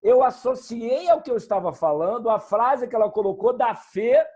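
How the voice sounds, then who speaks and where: A Brazilian man appearing as a guest on a live webinar over a video call, telling a lively anecdote. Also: very high-pitched, normal speed, breathy edge. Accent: Brazilian Portuguese. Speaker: guest speaker.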